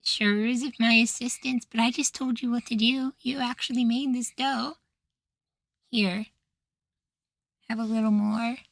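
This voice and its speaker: ASMR roleplay: young femboy househusband, played by a man, sweet and easily flustered; soft feminine tone, unhurried delivery, close dry sound. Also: very high voice, steady tone, gravelly, no echo, full character voice. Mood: affectionate, praising. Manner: coaxing, gently praising, sweetly apologetic.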